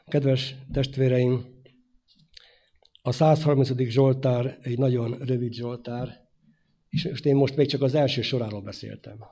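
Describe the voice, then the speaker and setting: A man preaching a sermon, his delivery swinging from loud emphatic phrases to hushed endings. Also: mid-range voice, steady tone. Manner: dynamic preaching, rising loud then dropping to hushed.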